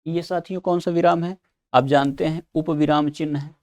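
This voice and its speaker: A man's voice: fairly high pitch, steady tone, moderate pace, a little mellow. A man teaching an online exam-prep lesson, explaining step by step and answering his own questions.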